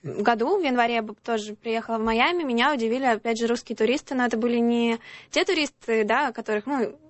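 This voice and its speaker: A woman's voice: on the high side, fast, dry recording. A woman from the Urals with a Urals Russian accent, casually telling anecdotes as a talk show guest.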